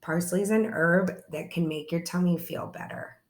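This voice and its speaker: A woman reading a children's story aloud in an expressive, animated way, as if to young listeners. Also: fairly low pitch, normal speed. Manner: animated, explains words and asks listeners questions. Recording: echoey room.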